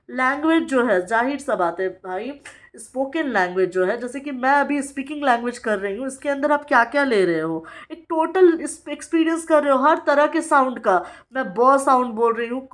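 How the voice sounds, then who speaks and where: A woman from Bihar, India, training teachers in a lecture. She reads English lines slowly, explains them, and keeps checking in with "okay?". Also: high voice, a bit bright. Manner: frequent "ठीक है" check-ins with the listener.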